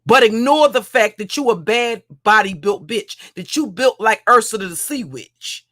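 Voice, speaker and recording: A woman with a heavy, deep voice, ranting as a livestream commentator in a mocking, profane way, often repeating and restarting her phrases. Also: expressive, moderate pace, fairly bright tone. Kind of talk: profane roast rant.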